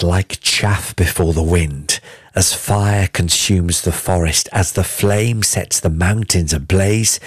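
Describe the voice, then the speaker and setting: A man reading psalm verses aloud and explaining them as a radio Bible teacher in an earnest, measured way. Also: low-pitched, slightly rough, no echo, studio quality.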